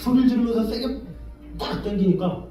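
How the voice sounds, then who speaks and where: A man preaching a sermon, telling an everyday story with lively exclamations and then drawing a lesson from it. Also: very high voice, brisk, over music. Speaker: pastor. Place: church sanctuary. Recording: very echoey, distant from the mic.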